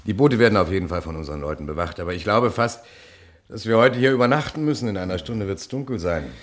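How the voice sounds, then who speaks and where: An actor plays a male police commissioner in a crime radio play. His voice is very low, and he speaks in a musing, slightly hesitant way while staying calmly in command. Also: fast, lightly acted. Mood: pensive, businesslike. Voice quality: deep. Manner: musing, hesitant, muttering hums.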